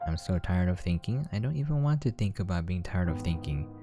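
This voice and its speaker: Male game preview host, low register, reads story text aloud with casual asides, music underneath. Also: lively intonation, a little fast. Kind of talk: reading a visual novel aloud with casual asides.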